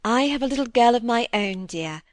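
A woman's voice: on the high side, animated, moderate pace, no room sound, studio quality, pitched above the performer's own voice, lightly acted. A woman voicing a breezy, chattering society widow. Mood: chatty. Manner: chattering, lightly condescending. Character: breezy, self-absorbed genteel widow. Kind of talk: audiobook character voice.

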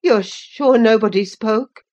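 A woman's voice: a little high, slow pace, muffled recording, voice pushed up. A woman reading a novel aloud, voicing a sickly, timid young man who speaks in fearful gasps. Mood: startled. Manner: gasping, fearful, hushed. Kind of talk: audiobook character voice.

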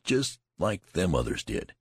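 A man's voice: low-pitched, very animated, measured pace, breathy edge, no room sound, studio quality, pitched above the performer's own voice, exaggerated voice. A man voicing a nervous young male recruit who keeps asking anxious questions.

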